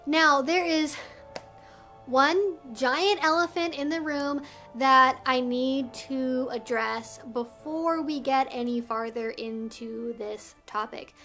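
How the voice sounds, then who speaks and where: Faint music plays behind a woman whose voice sits high, with a sharp tone and slow pace. She hosts an explanatory vlog, talking to viewers articulately and conversationally while explaining things with care.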